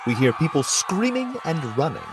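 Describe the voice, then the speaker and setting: A man's voice: a little high, very animated, normal speed, noisy background. A man playing the narrator of an audio play, describing the action as scripted narration. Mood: descriptive.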